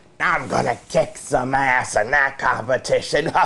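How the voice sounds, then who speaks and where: Using a put-on character voice, a man speaks at a medium pitch. His pace is moderate. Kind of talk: comedy skit, mock interview. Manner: brash, crude, rambling.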